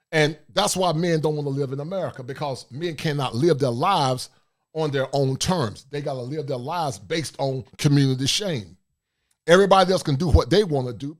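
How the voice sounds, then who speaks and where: Deep-voiced man hosting a livestream. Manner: forceful, preachy, reads chat aloud. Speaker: host of a livestream talk show. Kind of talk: casual livestream monologue.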